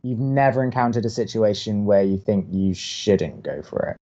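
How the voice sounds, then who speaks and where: A man playing a reluctant college radio co-host in an audio romantic comedy, dry and exasperated, halting when flustered. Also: on the low side, expressive, warm tone, muffled recording. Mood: dry, weary.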